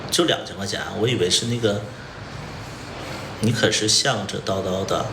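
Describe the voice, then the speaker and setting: A man with a lowish voice chats casually as a livestream co-host. He teases and needles as he goes. The recording is echoey, with clearly audible noise. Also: moderate pace. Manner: teasing, needling. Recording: noisy, echoey livestream room.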